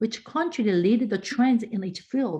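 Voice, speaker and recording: Somewhat breathy and fairly high-pitched, a woman speaks with a Korean accent. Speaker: network marketing leader. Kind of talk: motivational presentation.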